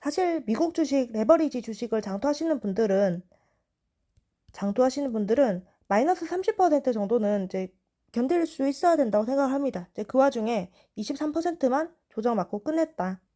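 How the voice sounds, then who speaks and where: A young woman in her twenties calmly walking through stock chart analysis. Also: high-pitched, a little fast. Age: 20s.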